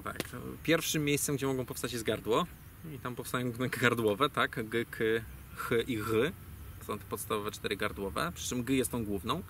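A guest speaker on language origins gives a rambling, digressive explanation in casual talk, full of fillers and self-corrections. His mid-range voice is bright and forceful. A distant mic picks up faint ambient noise.

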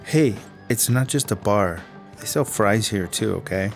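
A man's voice: fairly low pitch, expressive, a little slow. Breezy American slacker guy, music behind. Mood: sheepish, joking. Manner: casual, slangy. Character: breezy, slacker American man, carelessly optimistic. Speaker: actor. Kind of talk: radio drama acting.

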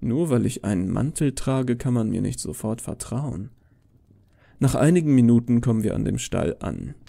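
A man's voice: medium pitch, gravelly, dark tone. A man reading scripted first-person horror fiction as a narrator, in a brooding, dramatic manner.

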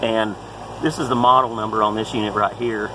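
Low-voiced man giving a repair tutorial. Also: little pitch movement, fairly quick, background noise. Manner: plain-spoken, folksy and practical. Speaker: HVAC technician. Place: outdoors beside a heat pump unit.

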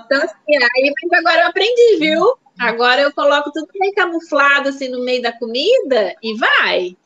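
Animated woman telling her story, slightly high. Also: moderate pace. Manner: animated, acts out quoted dialogue. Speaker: interview guest sharing her fertility story. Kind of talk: casual testimonial storytelling. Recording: dull lo-fi recording.

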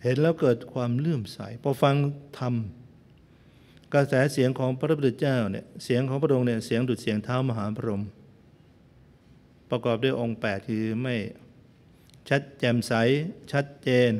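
A man's voice: mid-range voice, steady tone, normal speed, pauses often, a little mellow. A man, a Buddhist monk, giving a sermon that retells an old story, with playful joking asides to his listeners. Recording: long hall reverb.

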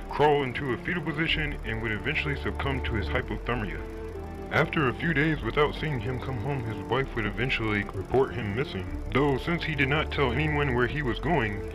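Male voice-over narrator, measured and somber, over a music bed. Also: medium pitch, low-quality recording. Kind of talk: scripted documentary narration. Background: music underneath.

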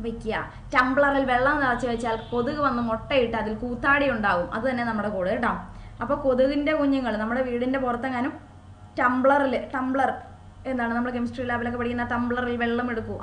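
Woman, exam-prep teacher; higher voice, chatty, repeats key terms, roomy echo. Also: fairly bright tone, a little hiss or hum. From Kerala. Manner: chatty, asks questions and answers them herself; repeats key words slowly for memory. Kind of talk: online exam-prep lesson.

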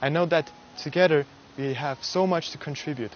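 Young man from Russia, student speaker, earnest and measured, fairly high voice, lapel mic, slightly dull sound, faint music under him. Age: young adult. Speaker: university student giving a speech. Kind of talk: prepared speech to camera. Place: outdoor garden stage at night.

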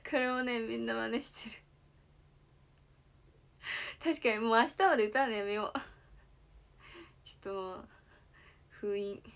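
A woman's voice: a little high, measured pace, creaky, long pauses, fairly bright tone, clear, resonant tone. A young woman hosting a casual livestream, bubbly and chatty as she thanks viewers for gifts. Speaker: idol livestream host.

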